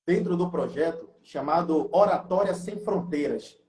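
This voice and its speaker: Mellow Brazilian man in an echoey room. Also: on the high side, normal speed. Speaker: guest public-speaking instructor. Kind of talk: explanatory live-stream talk.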